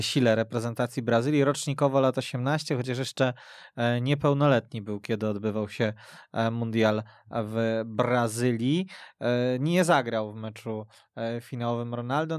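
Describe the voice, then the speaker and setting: Man, smooth resonant voice, dry studio, hesitant fillers. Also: mid-range voice, dry recording. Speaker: radio podcast host. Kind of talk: casual chat. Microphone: studio mic.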